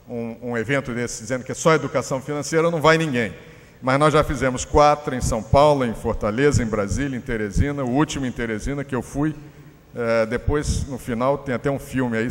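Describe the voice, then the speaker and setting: A man's voice: medium pitch, a little hiss or hum. Hesitant Brazilian man in a reverberant hall. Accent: Brazilian Portuguese. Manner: hesitant, many filler pauses. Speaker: panel speaker. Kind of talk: conference presentation. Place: large conference hall.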